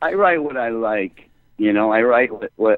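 With a Chicago accent, a man talks at a medium pitch with ordinary pitch variation. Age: 50s. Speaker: musician. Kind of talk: casual interview chat.

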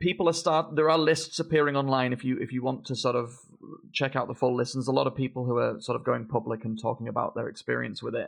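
Very fast speech from a man of medium pitch, with vocal fry and ordinary pitch variation. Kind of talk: casual chat with product news segment.

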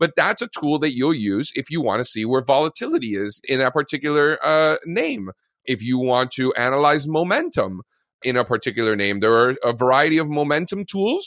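A man with an ordinary speaking voice talks at a fairly quick pace, his pitch fairly high and his intonation lively, in a dry, close recording with no echo and a quiet background. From Miami, Florida (Cuban-American family). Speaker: technical analyst, research editor. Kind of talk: interview. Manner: casual, filler-heavy.

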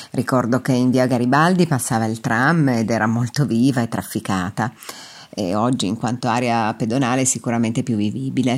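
At a fairly quick pace, a woman speaks with a very deep, low voice and ordinary pitch variation. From Italy, Turin. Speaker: journalist. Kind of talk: personal testimony. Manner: formal.

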